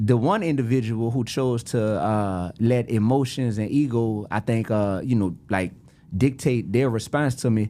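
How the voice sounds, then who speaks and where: At a fairly slow pace, a man with a New Orleans accent speaks in a dark, mellow tone at a medium pitch with ordinary pitch variation. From New Orleans, Louisiana. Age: 40s. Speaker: rapper and youth speaker. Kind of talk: podcast debate. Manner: animated.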